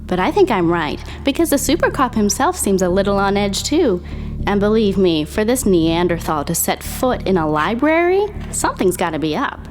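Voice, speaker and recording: A woman's voice: mid-range voice, big pitch swings, normal speed, soft background music, close to an everyday voice. A woman playing a sassy, nosy small-town gossip who narrates an audio drama in an arch, confiding way. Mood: gossipy. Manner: arch, confiding, mock-genteel.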